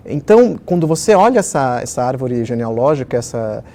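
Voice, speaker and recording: Animated middle-aged man telling stories. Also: medium pitch, a little fast, a little hiss or hum. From Israel. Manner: animated storyteller, many fillers. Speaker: children's author. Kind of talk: conversational interview storytelling.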